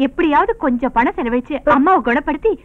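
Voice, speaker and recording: An actress playing a scheming village wife who scolds and plots. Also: female voice, high voice, animated, fast, narrow, tinny audio. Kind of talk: film comedy dialogue.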